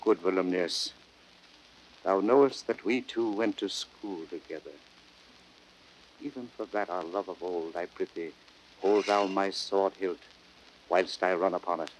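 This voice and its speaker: Slow, solemn noble Roman. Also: male voice, low-pitched, rough recording. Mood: solemn resolve. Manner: solemn, declamatory. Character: noble, grieving Roman commander resolved to die. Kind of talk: 1930s radio Shakespeare acting. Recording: hissy old radio broadcast recording.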